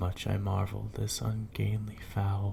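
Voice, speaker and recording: Whispering and soft-spoken, a man talks at a very slow pace against noticeable background noise. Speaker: ASMR reader. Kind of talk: poetry reading. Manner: soft-spoken, whispery.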